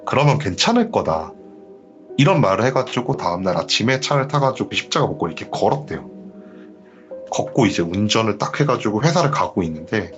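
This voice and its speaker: Male horror-story host, lower voice, retells a ghost tale with big swings in pitch, slightly muffled recording with faint music. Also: quick pace. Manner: animated storytelling, acting out quoted lines.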